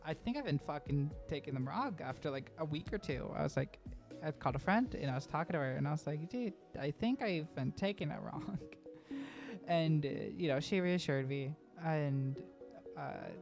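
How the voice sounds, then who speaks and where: A woman's voice: low voice, a little mellow. A trans woman vlogger rambling through a casual voice-over, often tagging "right?" and laughing between thoughts. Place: home voice-over recording.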